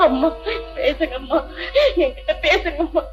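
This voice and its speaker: An actress playing a suffering young wife who pleads tearfully, in a 1960s film drama. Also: female voice, high-pitched, moderate pace, close to an everyday voice. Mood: grieving. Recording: dull old film soundtrack with music.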